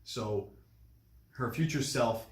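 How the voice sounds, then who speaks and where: Guy doing a casual movie recap chat, emphatic, mid pitch, echoey room. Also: slow. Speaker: podcast co-host. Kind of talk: casual film review chat.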